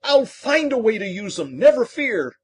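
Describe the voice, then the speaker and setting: Someone plays an eager straw scarecrow from a storybook. The voice is breathy and husky, and it swings up and down in pitch as he begs for brains and bursts with thanks. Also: very animated, moderate pace. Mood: grateful. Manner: pleading, then gushing with thanks. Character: male scarecrow, eager and simple-hearted. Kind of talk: dramatized audiobook reading.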